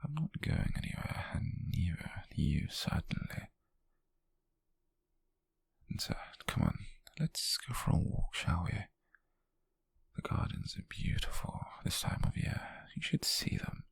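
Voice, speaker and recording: A British man playing a possessive, softly menacing rich captor in an intimate ASMR roleplay, murmuring in a breathy, husky voice with slow, coaxing deliberation. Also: low voice, wildly swooping pitch, dry recording, exaggerated voice. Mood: possessive, tender menace. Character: possessive, softly menacing wealthy male captor, obsessive and doting. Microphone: close microphone, dry.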